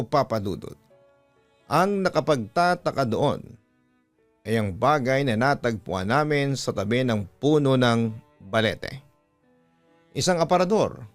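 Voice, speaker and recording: A man with a Filipino accent reading a listener's first-person horror story as a storytelling host. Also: mid-range voice. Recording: music bed under the voice. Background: background music.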